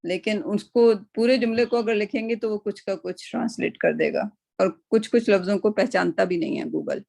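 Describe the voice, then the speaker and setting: A woman's voice: mid-range voice, vocal fry, dark tone. A woman teaching an online class, casual and chatty, mixing English phrases into her speech and often checking in with her students. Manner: casual, chatty, mixes English into speech, keeps asking "right?". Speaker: Quran and Arabic teacher.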